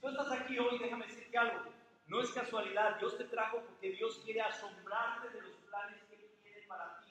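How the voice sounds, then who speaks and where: A man's raised, projected voice at an extremely high pitch and fairly quick pace, with big swings in loudness, audible room echo and noticeable background noise. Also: ordinary pitch variation. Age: 50s. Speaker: pastor. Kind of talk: sermon.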